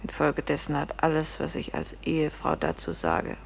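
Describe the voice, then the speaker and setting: An actress playing a guarded innkeeper's wife under questioning in a radio crime drama, terse, controlled and defiant. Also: female voice, sits low, very animated, moderate pace, vocal fry, slight background noise, heavily acted. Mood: cool, defiant. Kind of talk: German radio play acting.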